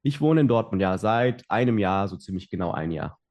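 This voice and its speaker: A man's voice: lowish voice, animated, a little fast, darkish tone. A young adult man, a podcast guest, telling his story in casual talk with many fillers and restarts.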